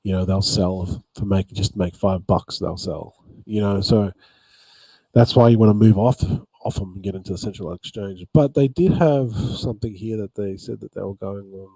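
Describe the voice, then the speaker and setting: Mumbling low-voiced man, husky and dark. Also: steady tone, normal speed, dry recording, low-quality recording. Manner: rambling, repeats words, many ums. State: tired after a late night. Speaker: crypto vlogger. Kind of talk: casual talk to camera.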